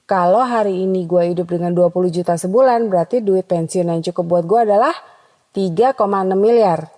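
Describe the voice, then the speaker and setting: A woman's voice: on the low side, fairly quick, dark tone, big-room sound. A woman hosting a scripted podcast monologue in a chatty, teasing way, dropping in English slang. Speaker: podcast host.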